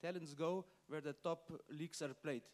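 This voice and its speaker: A man's voice: on the high side, steady tone, moderate pace, a little mellow. A man speaking as a business panelist, hesitant, with many fillers and non-native phrasing. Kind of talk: panel discussion answers.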